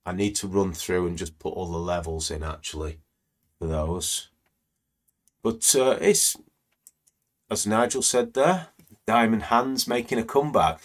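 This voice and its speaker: A man hosts a live stream, commenting on stock screens in a rambling, conversational way full of fillers. His voice is croaky and a little hoarse today. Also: fairly low pitch, lively intonation, unhurried, pauses often. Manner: conversational, rambling, many "you know" fillers. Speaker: trading educator hosting live stream.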